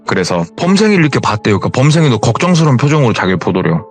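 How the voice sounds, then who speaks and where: A man's voice: medium pitch, big pitch swings, very fast, faint music behind. A man casually retelling a true ghost story as a narrator, in a chatty, colloquial way. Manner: colloquial, retells with reported speech.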